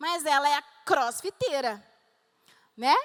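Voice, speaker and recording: A high-pitched woman's voice with very wide pitch swings, in a dry, close sound with no echo. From Mato Grosso, Brazil. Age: 40s. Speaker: church speaker. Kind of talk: sermon.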